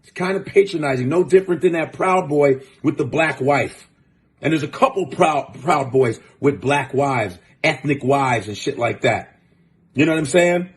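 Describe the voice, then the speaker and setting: A man's voice: on the high side, normal speed. A man hosting a show, giving blunt, profane, fired-up commentary in casual talk. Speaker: host.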